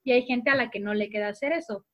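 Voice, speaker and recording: A woman, an actress and TV host, telling stories in a lively, animated way during a casual remote conversation. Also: on the high side, quick pace. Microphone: video call.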